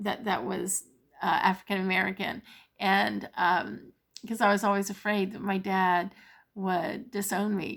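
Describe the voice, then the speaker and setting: With a Southern US accent, a woman speaks at a moderate pace and medium pitch in a monotone, flat way, recorded very cleanly against a silent background. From US South. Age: 60s. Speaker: tarot reader. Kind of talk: tarot reading with personal anecdote. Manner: halting, many fillers and repeats.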